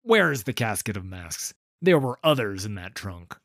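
A man's voice: on the low side, very animated, very slow, a bit bright, echoey room, long reverb tail, full character voice. A man voicing a blunt, wry male actor in a dry, offhand tone. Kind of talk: storybook character voice.

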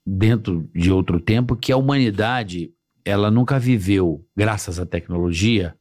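Hesitant podcast host. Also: male voice, on the low side, unhurried, darkish tone. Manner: hesitant, repeats words while thinking. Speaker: podcast host, former radio presenter. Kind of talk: casual chat.

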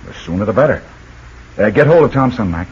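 A man playing a tough, brisk American jungle adventurer in old-time radio drama style. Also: lowish voice, animated, natural voice. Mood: determined. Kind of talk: 1940s radio acting. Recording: dull old radio recording, faint hiss.

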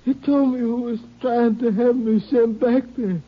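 An actor playing a frightened, childlike, simple-minded backwoods son in an old radio drama, with halting, pleading speech. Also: medium pitch, steady tone, natural voice. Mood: pleading, sad. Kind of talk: 1950s radio drama acting. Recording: dull old radio broadcast recording.

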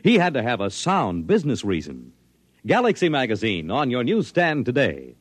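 A man speaking as a 1950s radio announcer, giving credits in a formal, crisp delivery on an old broadcast recording. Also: mid-range voice, huge pitch swings, normal speed, dry recording.

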